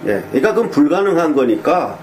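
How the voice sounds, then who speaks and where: A man's voice: fairly high pitch, big pitch swings, quick pace, darkish tone, a little hiss or hum, poor audio. A man giving casual political commentary in a conversational way, with many fillers and small affirming asides, and voicing pointed, critical opinions.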